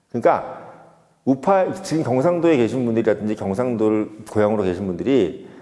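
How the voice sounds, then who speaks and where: A man's voice: mid-range voice, dark tone, in a large hall. A man giving an emphatic political opinion monologue, full of rhetorical questions. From Seoul. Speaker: political commentator.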